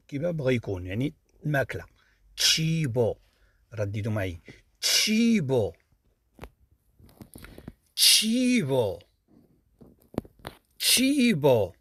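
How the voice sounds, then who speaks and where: A man with a Moroccan Arabic accent leads an Italian pronunciation drill, saying each word slowly and more than once. His pitch swings widely as he stresses sounds, and his voice is a little husky. He is recorded close up in a dry room. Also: fairly bright tone, no echo. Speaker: Italian teacher. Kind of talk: pronunciation lesson.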